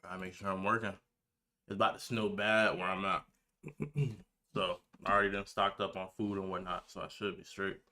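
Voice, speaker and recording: A man's voice: low voice, level tone, moderate pace, sharp tone. A nineteen-year-old man chatting casually and slangily on a livestream, laid-back as he talks to his viewers. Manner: laid-back, slangy, talking to chat while setting up. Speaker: livestreamer, gamer and reaction video creator.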